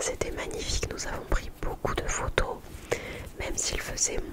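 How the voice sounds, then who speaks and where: The voice is whispering. Noticeable background noise runs behind it. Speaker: ASMR creator. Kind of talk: ASMR whispered storytelling about a trip. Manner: whispered, soft-spoken, relaxing.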